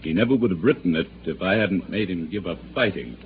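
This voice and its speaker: A man's voice: sits low, a little fast, voice pushed down, close to an everyday voice. A man voicing a stern college professor who lectures and scolds two students, in 1940s radio acting. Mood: scolding. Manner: lecturing, reproachful. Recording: tinny old radio broadcast with hiss.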